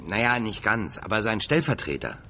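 Brief: gentle, good-natured Santa substitute, lowish, expressive. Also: male voice, normal speed, full character voice. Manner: gentle, chatty, talks to his reindeer. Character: kindly young man standing in for Santa.

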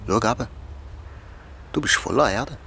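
A man's voice: mid-range voice, measured pace, vocal fry, heavy background noise. An actor playing a lost young man who stammers and swings into panic. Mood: exhausted. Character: young man, lost, frantic then worn out. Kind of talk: audio drama acting. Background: music.

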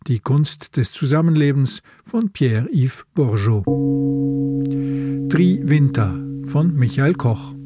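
A man's voice: mid-range voice, dark tone, breathy edge, no echo, studio quality. A man hosting a film podcast, presenting from a script. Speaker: podcast host.

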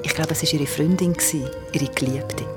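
A woman's voice: low voice, moderate pace. Swiss German woman telling a spooky story. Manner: lively, dramatic, drops to a whisper at tense moments. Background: music.

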